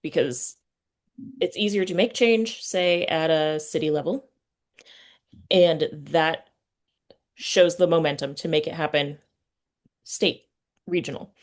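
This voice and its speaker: A woman hosting a casual interview, speaking thoughtfully and often pausing mid-sentence to find her words. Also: low voice. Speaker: interviewer and host.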